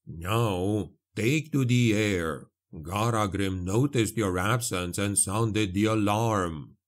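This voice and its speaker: Casting: male reader as grave, cryptic dwarf priest, low measured voice, slow portentous lines, fantasy audiobook. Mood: grave, urgent.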